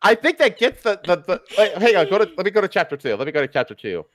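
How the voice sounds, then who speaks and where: A man's voice: high-pitched, very animated, fast talker, fairly bright tone, no echo. Man reading aloud in a dry, close studio sound. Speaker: streamer reading fan fiction aloud. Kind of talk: live comedic dramatic reading.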